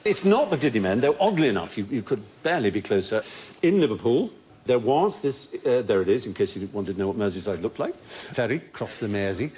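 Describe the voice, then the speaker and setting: A man's voice: medium pitch, very animated, fast talker, a little mellow, a little hiss or hum. A man hosting a comedy quiz show, telling anecdotes playfully and often laughing. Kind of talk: lively panel show banter. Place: TV studio with live audience.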